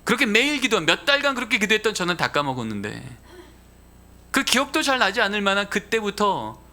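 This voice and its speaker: A man preaches from the pulpit, turning a personal family story into a sermon. His voice sits high and bright, and it swings up and down as he tells the story. He keeps asking the congregation questions and answering them himself. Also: a little fast. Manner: animated storyteller, lively rhetorical questions to the congregation. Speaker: guest preacher. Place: church sanctuary.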